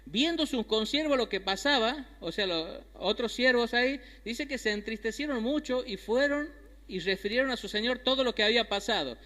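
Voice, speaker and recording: A man's voice: very high voice, lively intonation, normal speed, pushed and bright. A man preaching a sermon, emphatic, repeating key phrases and asking his listeners questions. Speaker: pastor. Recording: long hall reverb.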